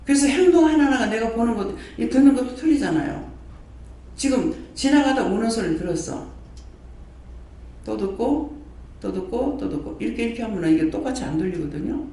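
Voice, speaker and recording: Animated preaching man, echoing from afar. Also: very high voice, a little fast. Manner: animated preaching, repeats phrases, quizzes the congregation. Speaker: pastor. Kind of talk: sermon. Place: church prayer hall. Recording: very echoey hall, mic far off.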